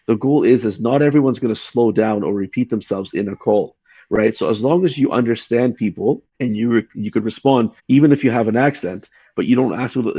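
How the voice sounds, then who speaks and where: A man with a low, husky voice explains hiring advice casually, often restarting his sentences. The sound is dull and lo-fi, as over a video call, and very dry. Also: warm tone, dry recording. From Canada. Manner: talks in quick runs with restarts and repeated words. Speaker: tech recruiter, guest.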